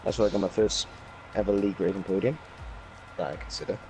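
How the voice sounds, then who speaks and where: A man's voice: deep voice, fast, a little mellow, faint music behind, rough recording. A man with a Welsh accent talking casually about his race, with lots of fillers and restarts. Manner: rambling race recap with many fillers. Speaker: racing league driver. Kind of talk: casual post-race chat. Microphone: new home microphone.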